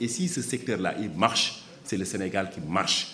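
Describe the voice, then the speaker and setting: A man's fairly low-pitched voice with lively intonation at a moderate pace, plus audible room echo. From Senegal, Podor department. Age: 60s. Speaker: agricultural agency director. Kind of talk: ceremony speech. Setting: public ceremony with audience. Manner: formal.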